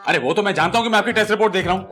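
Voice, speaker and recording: An actor playing a cheeky, scatterbrained young man who jokes and talks quickly. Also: high-pitched, soft background music. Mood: joking. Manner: animated, quick, joking. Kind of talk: sitcom acting.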